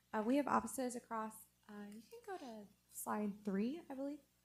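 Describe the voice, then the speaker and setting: Her voice carries a slight breathiness. The woman speaks neither fast nor slow. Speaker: urban planning consultant. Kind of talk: presentation. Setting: city council meeting.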